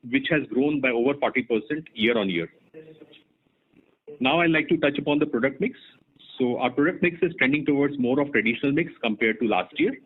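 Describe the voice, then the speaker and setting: A man with an Indian accent, formally reading a company results presentation in a measured, businesslike way as an executive. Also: medium pitch, breathy edge. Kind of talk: scripted earnings call presentation. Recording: muffled narrowband phone conference line.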